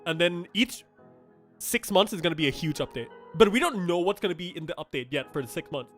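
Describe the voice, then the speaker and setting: A young man from Thailand, whose first languages are Thai and Japanese, speaks English in a slightly high voice. He rambles through game news in a blunt, chatty way, full of fillers and restarts. Soft music plays quietly behind him. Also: expressive, fairly quick. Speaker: gaming streamer. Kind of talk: casual game news reaction commentary.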